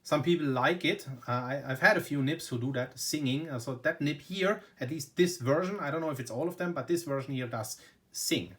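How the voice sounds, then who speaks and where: A man's voice: fairly high pitch, fairly quick, a bit bright. A man whose first language is German, speaking English with a German accent and casually reviewing a fountain pen at his desk, full of "very, very" and "you know". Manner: enthusiastic, repeats "very, very" and "you know". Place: indoors at a desk.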